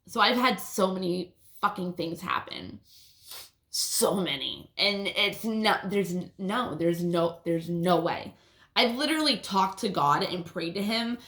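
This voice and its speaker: Woman vlogger with a lisp, gravelly fry, roomy echoey sound, casual and profane. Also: fairly low pitch, lively intonation, unhurried, a bit bright. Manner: casual, swears often, restarts sentences. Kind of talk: rambling personal storytelling. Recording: roomy echo.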